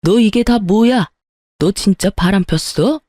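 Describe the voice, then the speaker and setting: Brief: woman voicing a strict older patriarch, sharp reprimands, dry sound. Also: medium pitch, a little slow, no echo, lightly acted. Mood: furious. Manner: scolding. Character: stern older father-in-law scolding his cheating son.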